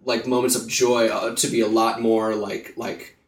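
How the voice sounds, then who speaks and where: A man's voice: medium pitch, flat delivery, normal speed. Rambling man, roomy and far from mic. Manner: rambling, with many "like" fillers and restarts. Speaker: podcast co-host. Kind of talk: casual podcast chat. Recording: roomy, set back from the mic.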